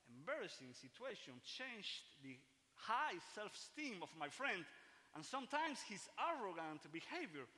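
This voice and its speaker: A man with a Cuban accent telling a personal story in an earnest, measured way, with small restarts and asides. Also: high voice, sharp tone. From Cuba. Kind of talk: storytelling talk. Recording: long reverb of a large hall.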